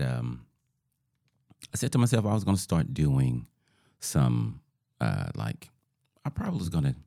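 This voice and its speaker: A man's voice: rumbling low, gravelly, dark tone. A man hosting a podcast in a groggy morning voice, rambling informally to his listeners in a casual monologue. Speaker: podcast host.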